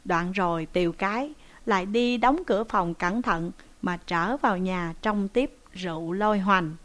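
A woman narrating a classic novel as an audiobook in a measured, even reading. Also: mid-range voice.

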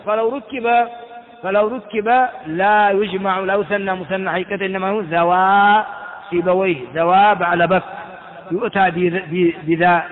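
A man teaching a classical Arabic grammar lesson, explaining step by step and asking and answering his own questions. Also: high voice. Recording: tinny phone-like sound with long reverb.

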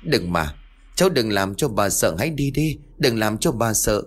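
A man voicing a terrified old village woman who pleads and panics in a rushed, breathless way. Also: on the low side, lively intonation. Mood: pleading terror. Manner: frantic, pleading, breathless rush.

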